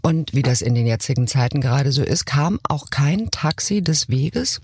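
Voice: medium pitch, animated, moderate pace, darkish tone, slightly rough. An actor, a guest on a podcast, telling stories in a playful, theatrical way during a casual chat.

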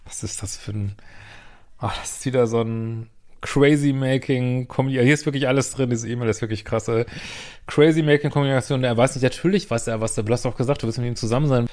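A man's voice: medium pitch, steady tone, quick pace, darkish tone. A man hosting a show, reading out a viewer's letter and commenting on it bluntly, swearing freely and ending sentences with questioning tags.

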